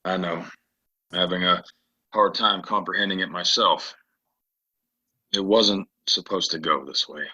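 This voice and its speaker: An actor playing a troubled, polite war veteran in a Western audio drama, speaking in an earnest, halting way. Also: male voice, deep voice, steady tone, pushed and bright, slightly rough, lo-fi sound, full character voice. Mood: gentle, reflective. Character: troubled, soft-spoken male stranger, war veteran in Western town.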